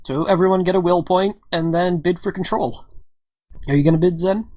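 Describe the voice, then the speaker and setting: A woman's voice: fairly low pitch, normal speed, dark tone, no echo. A woman narrating as game master of a tabletop game, casual and often laughing, with many "all right"s and "uh"s.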